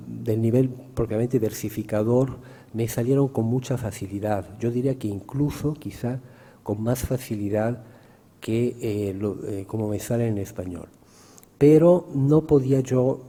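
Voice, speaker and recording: A man's voice: mid-range voice, dark tone. A man whose first language is Italian, speaking at a round-table discussion in a hesitant, reflective way with many restarts. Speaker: panelist poet. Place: large historic hall. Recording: reverberant hall.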